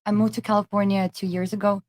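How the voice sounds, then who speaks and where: A woman's voice: medium pitch, little pitch movement, quick pace, a little mellow. A woman of twenty from Italy, a podcast guest explaining her background hesitantly. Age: 20s.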